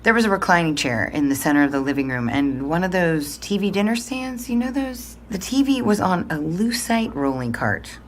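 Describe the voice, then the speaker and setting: A curt, unsentimental middle-aged mother answers as if interviewed for an audio drama. Her voice is low and her delivery dry and clipped. There is faint noise behind her. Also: sing-song, normal speed, hardly any pauses. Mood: bleak, dry.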